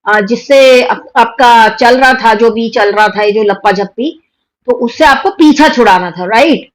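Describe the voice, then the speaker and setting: Indian woman host, high-pitched, scolding and indignant reaction commentary. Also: unhurried, rough recording. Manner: indignant, scolding, mocking quotes. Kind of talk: heated commentary on influencer drama.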